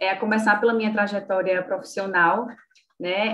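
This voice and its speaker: A woman with a northeastern Brazilian accent speaks at a moderate pace in a medium pitch. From Brazil, Northeast (Natal). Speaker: professor, research group leader. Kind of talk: academic presentation.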